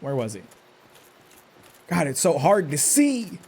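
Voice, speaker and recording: A man's voice: on the high side, wildly swooping pitch, slow pace, a little mellow, breathy edge. Stressed streamer, man, slightly raised voice, mutters to himself and snaps at foes. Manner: talks to himself, curses at enemies, jumpy outbursts. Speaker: streamer playing a game live. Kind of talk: live gameplay commentary.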